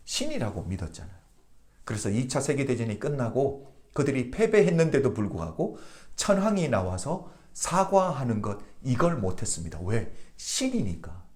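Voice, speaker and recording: Korean pastor guy doing a daily devotional, pitch jumps all over, asks questions then answers them himself. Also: a little mellow.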